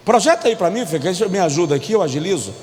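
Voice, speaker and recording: High-voiced Brazilian pastor preaching emphatically. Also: male voice, very animated, very fast, in a large hall. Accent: Brazilian Portuguese. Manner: emphatic preaching, swinging between soft asides and shouted points. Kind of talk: sermon.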